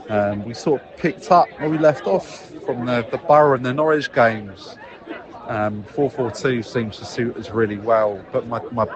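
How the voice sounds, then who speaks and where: A man leaving a casual, unscripted match report as a fan, hesitant but thoughtful and analytical. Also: mid-range voice. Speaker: football fan leaving a voicemail.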